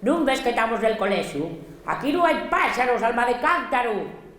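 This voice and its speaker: A woman's voice: a little high, big pitch swings, moderate pace, fairly bright tone, very echoey. A woman with an Asturian accent voicing an impatient schoolteacher who brushes off a pupil. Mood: dismissive. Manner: dismissive, scolding.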